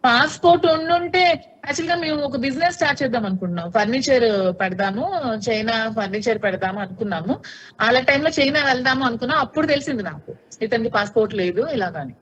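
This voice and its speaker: A woman answering in a heated news interview, talking fast with a fairly high voice. She is outspoken and insistent, and she hammers her points home by repeating them. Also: husky.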